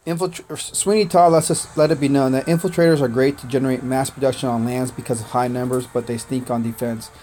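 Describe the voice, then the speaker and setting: A man born in Korea, whose first language was Korean, chats through a livestream of a strategy game. His voice sits at an ordinary mid pitch, and he rambles easily, thanking viewers by name between "uh"s and "man"s. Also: fairly even intonation, fairly quick, few pauses, mellow, slight background noise. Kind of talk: casual gaming livestream chat.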